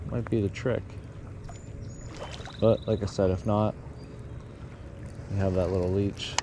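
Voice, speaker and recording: Speech comes at a fairly slow pace in a monotone, flat delivery, with noticeable background noise and a dry sound that has no echo. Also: man. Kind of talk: casual fishing vlog commentary. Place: waterside. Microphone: phone near.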